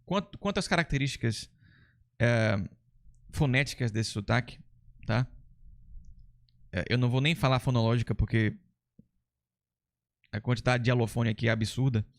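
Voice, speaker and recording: A man's voice: medium pitch, moderate pace, long pauses. A man from Brazil with a Brazilian Portuguese accent hosting a casual lesson, explaining things step by step in a chatty, enthusiastic way. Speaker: English teacher and channel host.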